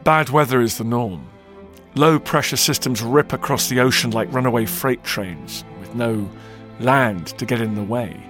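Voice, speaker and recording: A man's voice: mid-range voice, normal speed. A man narrating a history podcast as its host, in an emphatic, dramatic storytelling delivery. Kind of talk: scripted documentary narration. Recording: narration over loud music.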